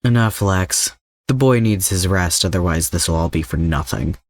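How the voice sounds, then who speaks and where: Man acting a composed, coaxing older villain, low-voiced. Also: moderate pace, dry recording, clean studio sound. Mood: calm, commanding. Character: calm, manipulative older male mercenary villain.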